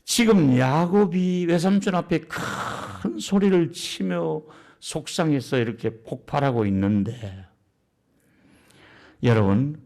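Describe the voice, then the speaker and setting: A man's voice: on the high side, creaky, a little mellow. A male pastor preaching a sermon in an emphatic, colloquial way, driving points home with repeated punchy endings.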